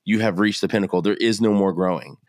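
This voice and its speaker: A man in his thirties co-hosting a podcast, talking casually and getting animated when he makes a point. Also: on the low side, fast talker, no echo, studio quality. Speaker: podcast co-host.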